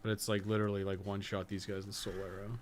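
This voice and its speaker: A man's voice: fairly low pitch, level tone, quick pace. Casual male game streamer, noisy recording. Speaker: video game streamer and guide maker. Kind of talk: casual live gameplay commentary.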